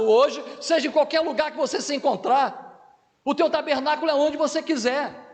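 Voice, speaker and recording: A man with an extremely high pitch speaks at a moderate pace and with fairly even intonation. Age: 60s. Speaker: pastor. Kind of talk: sermon.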